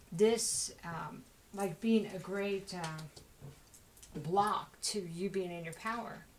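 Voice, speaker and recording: A woman reads tarot cards in a loose, chatty monologue. She talks quickly, circles back on herself and fills her pauses with "you know" and "like". Her voice sits at an ordinary middle pitch, with a faint hiss of noise behind it. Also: poor audio. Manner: fast, rambling, conversational with many fillers. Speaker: tarot reader. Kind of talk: casual tarot reading monologue.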